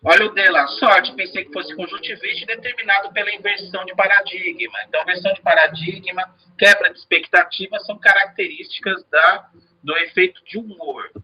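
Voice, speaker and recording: A man's voice: high-pitched, a little fast, dull audio, a little hiss or hum. A man teaching a casual review lesson, chatty, often checking in with "né?". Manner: chatty, repeats words and asks "né?".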